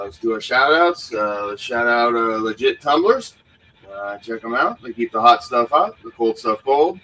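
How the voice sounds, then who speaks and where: Casual, halting man hosting a livestream. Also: mid-range voice, a bit bright, poor audio. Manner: halting, hesitant delivery with frequent pauses and filler sounds. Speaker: host of a paranormal investigation livestream. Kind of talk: casual unscripted livestream talk.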